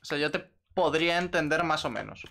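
A young man chatting casually while streaming a game, relaxed and quick to laugh. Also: fairly high pitch, creaky, slight background noise. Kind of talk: casual gameplay livestream chat.

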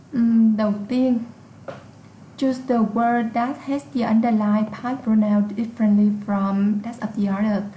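A Vietnamese woman teacher walks her students through an English exam, repeating each word and naming its sound. Her voice sits a little high. The room is echoey, with faint background noise. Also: warm tone. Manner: explains patiently, repeats words with sound notes. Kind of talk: exam walkthrough lesson.

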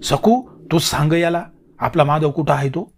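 A man doing a gruff, blustering village father. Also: on the high side, moderate pace, close to an everyday voice. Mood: scolding. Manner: blustering, scolding. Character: gruff village father, middle-aged, stubborn. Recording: loud hiss with crickets.

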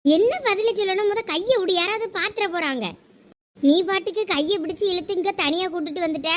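A woman's voice: very high-pitched, brisk. A woman voicing a young college girl in a cartoon, anxious and stubborn, insisting and pleading. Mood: worried.

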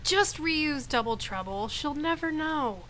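A woman's voice: sits high, animated, unhurried, fairly bright tone. An actress in a comedic audio drama playing a grouchy, impatient witch with a sardonic, blunt delivery. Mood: grumpy. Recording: noticeable background noise.

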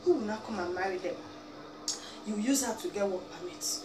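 Brisk and medium-pitched, a young Igbo-accented Nigerian woman from Abia State sits in a small room at home, emphatically ranting to a camera placed a few feet away. She pleads and scolds, often adding "eh?" and "biko," in a roomy, distant, noisy recording.

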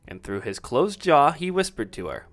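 Lively male story narrator. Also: on the high side, moderate pace, faint music behind. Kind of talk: dramatic fan fiction reading, scripted narration.

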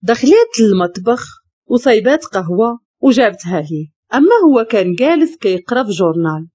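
A woman with a Moroccan Arabic accent narrating a dramatic story in an expressive, emotional way. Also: fairly high pitch, fairly quick, husky, no room sound.

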